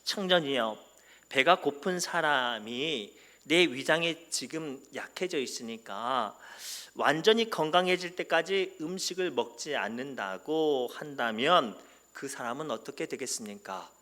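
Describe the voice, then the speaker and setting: A pastor quoting an earnest old preacher. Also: male voice, mid-range voice, animated, a little slow, bright, forceful tone. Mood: patient. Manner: earnest and instructive. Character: famous old male preacher counseling a youth.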